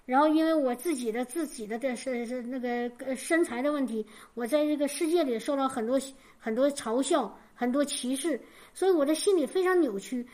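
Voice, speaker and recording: Woman preacher, high register; fervent sermon delivery with hammered repetitions and stumbling restarts. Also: a little fast, a little mellow. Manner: fervent, repeats key phrases for emphasis; frequent stammered restarts. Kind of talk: sermon with personal testimony.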